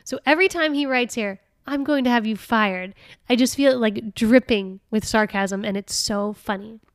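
A woman hosting a casual solo podcast, chatty and laughing often, reading passages aloud with lively expression. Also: fairly high pitch, normal speed, no room sound, studio quality. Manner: chatty, laughing often, with many fillers and restarts. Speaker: podcast host.

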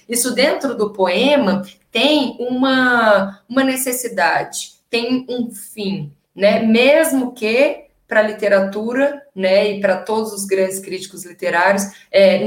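A Brazilian woman with a Brazilian Portuguese accent teaching a literature class in a chatty, enthusiastic way, often asking rhetorical questions. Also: a little high. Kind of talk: casual online class lecture. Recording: echoey room.

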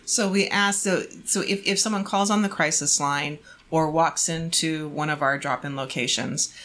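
A woman's voice: deep voice, steady tone, moderate pace, fairly bright tone. A woman speaking as an agency representative, explaining services in an interview.

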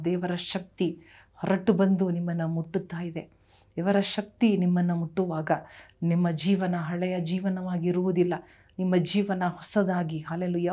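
Fervent preacher woman with mellow voice. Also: on the low side. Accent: Kannada. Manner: repetitive, rising exhortation with frequent hallelujahs. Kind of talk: fervent sermon and prayer.

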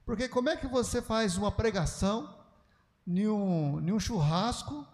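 Older Brazilian pastor teaching, casual and chatty, slightly high voice. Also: male voice, expressive, moderate pace, a little mellow, long reverb tail. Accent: Brazilian Portuguese. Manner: conversational, folksy asides with frequent "né?". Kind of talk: church class lecture.

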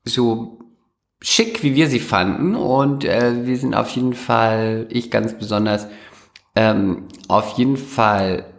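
A man's voice: mid-range voice, takes it slowly, vocal fry. A man co-hosting a podcast, teasing his co-host with sarcastic banter in casual chat.

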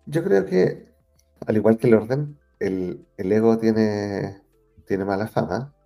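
Gravelly Chilean man musing aloud. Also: fairly low pitch, slow, warm tone, soft background music. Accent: Chilean Spanish. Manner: thoughtful, searching for words, frequent restarts and fillers. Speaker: interview guest. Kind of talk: reflective conversational interview.

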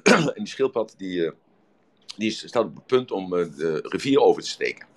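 A deep-voiced man giving a relaxed, casual talk. He rambles and fills his sentences with many hesitant pauses, drifting into storytelling along the way.

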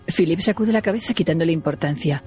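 A man reading audio description for a film in a plain, measured, neutral way. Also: fairly high pitch, faint music behind.

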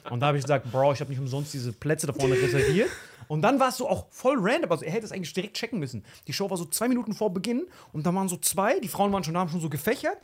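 Young male podcast co-host, animated slangy storyteller, slightly high voice. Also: very fast, breathy edge. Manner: animated storytelling, acts out quoted people, slangy. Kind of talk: casual podcast chat.

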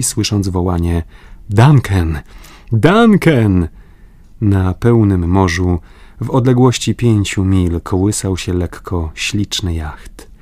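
A man reading a classic adventure novel aloud in measured, even audiobook narration. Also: low voice, no echo. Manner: measured, even storytelling with lifted voice for exclamations. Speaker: audiobook reader.

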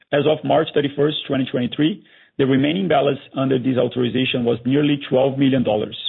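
A man with a gravelly, husky voice formally reading a scripted earnings presentation as a finance executive over a narrow conference phone line. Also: medium pitch. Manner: formal, reading from prepared remarks.

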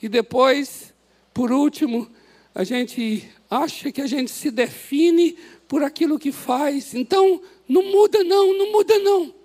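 A male pastor with a Brazilian Portuguese accent, preaching an impassioned sermon that swings from loud exhortation to soft, prayerful pleading in a church. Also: extremely high pitch, measured pace. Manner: impassioned, rises to shouts then drops to soft prayer. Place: church sanctuary.

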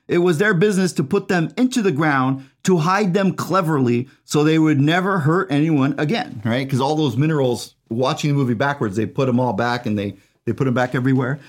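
A man giving a casual, chatty book review, often asking "right?" and reading a passage aloud. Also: fairly high pitch. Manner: chatty, tag questions, reads passage aloud.

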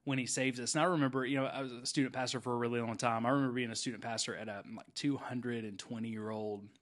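A man, a podcast host and former student pastor, chatting casually and telling animated stories, often tagging "right?" or "okay?" onto his points. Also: medium pitch, fast talker. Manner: animated storyteller, frequent "right?" and "okay?" tags. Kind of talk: casual chat.

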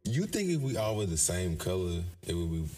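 Animated low-voiced African American man, distant mic. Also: a little fast. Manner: slangy, informal. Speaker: podcast guest or co-host. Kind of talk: casual podcast chat.

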